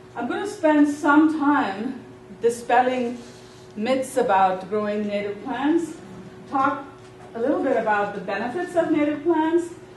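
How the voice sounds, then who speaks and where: Amid noticeable background noise and audible room echo, a woman speaks fairly slowly with a high pitch and lively intonation. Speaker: native plant gardening speaker. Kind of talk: lecture.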